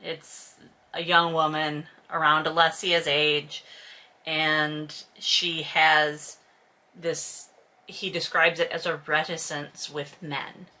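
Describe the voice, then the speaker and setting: A woman's low-sitting voice moves little in pitch and goes slowly, yet stays bright and forceful. Reading and critiquing a novel as host, she delivers comedic, casual commentary that's sarcastic, exasperated, sweary, and exaggerated.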